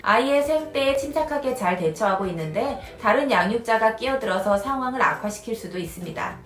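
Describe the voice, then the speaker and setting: A woman in her thirties calmly explaining parenting advice as the host of an educational video. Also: fairly high pitch, a little fast, soft background music. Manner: calm, even, instructive. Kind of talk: scripted explanatory narration. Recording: roomy echoey recording.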